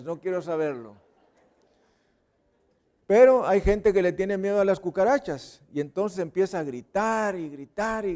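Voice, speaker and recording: A man with a Mexican accent preaching a sermon as a pastor, playfully acting out sounds and voices and dropping at times to a whisper. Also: high voice. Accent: Mexican Spanish. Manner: playful, acts out sounds and voices with sudden loud and whispered bits. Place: church service.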